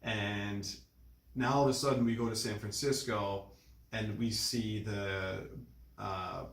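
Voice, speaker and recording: A man's voice: on the low side, fairly even intonation, slow pace, gravelly. A man explaining a film's plot in casual podcast talk, often repeating and rephrasing himself. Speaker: podcast co-host recapping a film. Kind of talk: casual film discussion and plot recap. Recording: echoey, roomy recording.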